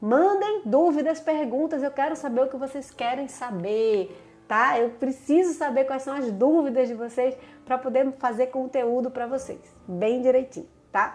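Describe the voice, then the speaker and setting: Speaking with a high pitch at a fairly slow pace, a woman uses ordinary pitch variation. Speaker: cultural producer and online educator. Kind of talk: live-stream tutorial. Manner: animated.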